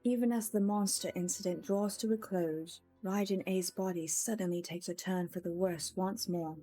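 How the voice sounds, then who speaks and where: A woman livestreamer giving casual game commentary and chatting to viewers in a soft, hesitant, musing manner. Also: fairly low pitch, steady tone, normal speed, faint music behind.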